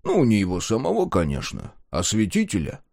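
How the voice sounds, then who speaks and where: A man's voice: on the low side, wildly swooping pitch, creaky, darkish tone, no echo, studio quality, heavily acted. A man voicing a sly, unflappable old uncle. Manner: weighty, deliberate. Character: sly older male storyteller, unflappable.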